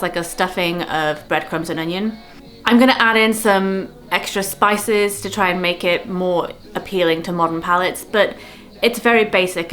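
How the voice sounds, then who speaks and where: A woman giving casual cooking vlog narration, chatty and dryly humorous. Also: on the low side.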